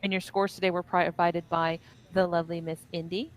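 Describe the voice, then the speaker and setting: Co-hosting an esports stream, a woman lays out the schedule, giveaways and fights in an upbeat, organized manner, like a casual co-caster. Her voice sits fairly low with little pitch movement, and she talks fairly quickly. The audio is poor.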